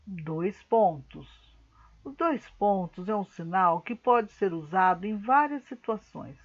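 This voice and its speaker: Female teacher, recorded class lesson, slow careful explaining, dull lo-fi sound. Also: mid-range voice, animated.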